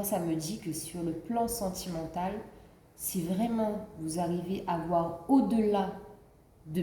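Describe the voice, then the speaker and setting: A woman's voice: on the low side, mellow, echoey room, a little hiss or hum. A woman with the flu giving a casual spiritual card reading, rambling with many fillers and restarts. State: has the flu. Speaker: card reader.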